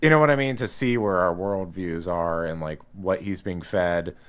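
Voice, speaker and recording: A man in casual podcast chat, talking in an animated, rambling way with many restarts. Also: low-pitched, normal speed, smooth. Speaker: podcast guest.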